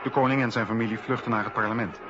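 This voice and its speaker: A man's voice: mid-range voice, fairly even intonation, racing. A man narrating a scripted historical radio documentary in a factual, declarative way. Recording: dull radio recording, faint noise.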